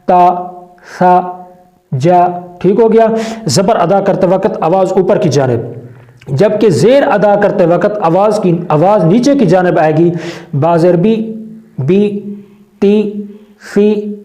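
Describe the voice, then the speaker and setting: Male Quran teacher, high-pitched, patient, repeats "clear?", slow syllable drills, echoey room. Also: mellow. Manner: drawn-out syllable demonstrations. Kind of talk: instructional lesson.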